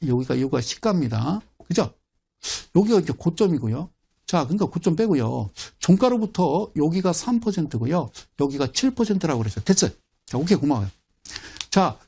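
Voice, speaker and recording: A man giving a broadcast stock market lecture, animated, repeating phrases and quizzing his viewers. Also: a little high, breathy edge. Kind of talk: broadcast lecture with audience questions.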